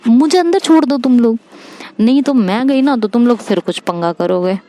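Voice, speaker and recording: A woman voicing an eager young newlywed husband who talks in an excited, pleading rush. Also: a little high, normal speed, pitched above the performer's own voice, natural voice.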